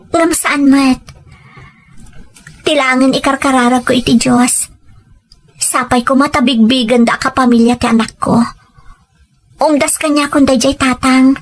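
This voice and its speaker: A woman playing a humble, anxious young mother in a radio drama, speaking earnestly and deferentially. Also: high-pitched. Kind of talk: Filipino radio drama acting.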